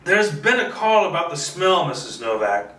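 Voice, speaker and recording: A man's voice: on the high side, sing-song, moderate pace, sharp tone. Man reading as a polite, persistent male visitor, echoey. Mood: firm. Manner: polite but firm, probing. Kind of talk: table read of a screenplay. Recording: roomy, distant microphone.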